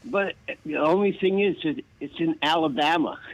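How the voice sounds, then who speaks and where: A man's voice: fairly high pitch, normal speed. A man calling in to a talk show to ask for advice, hesitant and speaking in fits and starts. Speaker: caller. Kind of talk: phone-in question. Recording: dull muffled phone line.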